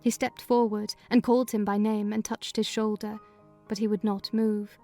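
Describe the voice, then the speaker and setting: A woman narrating a dramatized audiobook reading in a measured storytelling manner. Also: mid-range voice, flat delivery, warm tone, soft background music.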